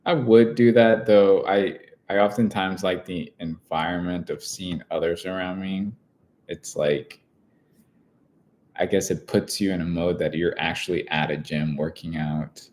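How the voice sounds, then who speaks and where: A young man co-hosting a casual live chat, relaxed and easygoing, thinking aloud with lots of "I mean". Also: sits low, measured pace. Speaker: co-host, partner of the host.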